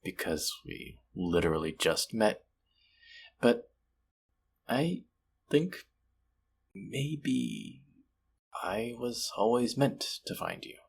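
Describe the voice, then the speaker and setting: A man playing a sweet, smitten stranger in an intimate romantic audio roleplay, speaking softly and hesitantly in a husky, gravelly voice. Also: on the low side, expressive, exaggerated voice. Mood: tender, hesitant. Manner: soft, hesitant, tender, with pauses.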